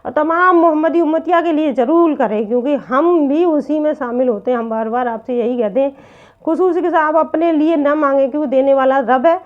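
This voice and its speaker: A woman with a high-pitched voice speaks to online viewers in an informal religious talk. She urges her listeners earnestly and circles back to the same points again and again. The recording is dull and lo-fi. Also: a little fast. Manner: earnest, repetitive urging.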